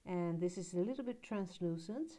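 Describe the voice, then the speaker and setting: A woman giving a relaxed, rambling voiceover about her art journal page, pausing often and filling gaps with little hesitations. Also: on the low side. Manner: relaxed, rambling, with many pauses and fillers. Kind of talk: casual voiceover narrating her crafting. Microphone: voiceover recorded at her laptop.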